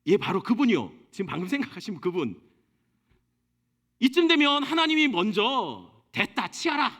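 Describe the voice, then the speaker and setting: A man preaching a sermon as senior pastor, telling stories lively and acting out the dialogues. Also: sits high, moderate pace.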